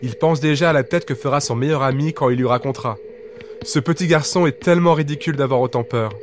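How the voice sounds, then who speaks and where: A man's voice: medium pitch, fast, a little hiss or hum. Man narrating a bedtime story. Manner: lively expressive reading.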